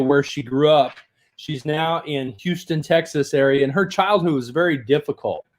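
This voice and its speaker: An enthusiastic male host introduces his guest and leads the interview. His voice sits a little higher than most men's. He sounds upbeat and keeps things moving.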